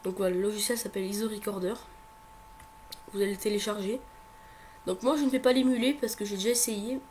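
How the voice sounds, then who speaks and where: A man's voice: high-pitched, steady tone, quick pace, a little mellow. A man with a head cold walks viewers through a computer tutorial. He talks hesitantly, leaning on fillers and restarting his sentences. A faint hum sits under his voice. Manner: hesitant, filler-heavy, repeats words. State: has a cold. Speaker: tutorial presenter. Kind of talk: screen-recording tech tutorial.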